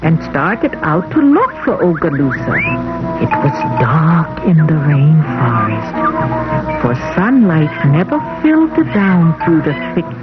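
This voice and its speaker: A woman playing a mother who tells her children an old folktale in measured, deliberate storytelling, on a muffled old film soundtrack. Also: low-pitched, wildly swooping pitch, exaggerated voice. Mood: solemn storytelling. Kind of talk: scripted folktale narration. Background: music.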